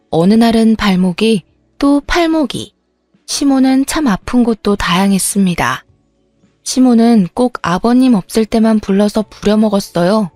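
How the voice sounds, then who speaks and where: A woman's voice: a little high, a little mellow, no echo. A woman narrating a first-person family story in a radio-style reading, with a plaintive, confiding manner.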